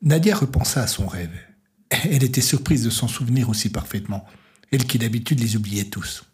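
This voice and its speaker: A man narrating an audio story in a measured, steady way, with music underneath. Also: medium pitch.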